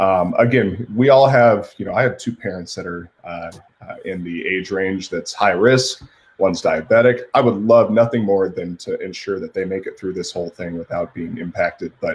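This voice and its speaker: A man speaks in a plain, everyday voice, fairly low in pitch, at a moderate pace. His loudness swings widely while his pitch varies in an ordinary way. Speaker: guest. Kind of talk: interview answer. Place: home room. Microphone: video call.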